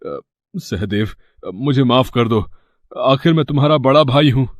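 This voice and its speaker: A man's voice: mid-range voice, animated, measured pace, dry recording, studio quality, close to an everyday voice. A man voicing a greedy, scheming older brother in a cartoon, who wheedles and puts on fake crying. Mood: sly sorry. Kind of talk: Hindi cartoon voice acting.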